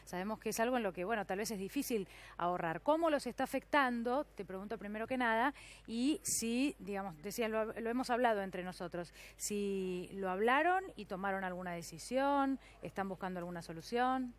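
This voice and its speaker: A woman's voice: mid-range voice, fairly quick. A female news host, putting direct, conversational questions to a guest. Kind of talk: broadcast interview.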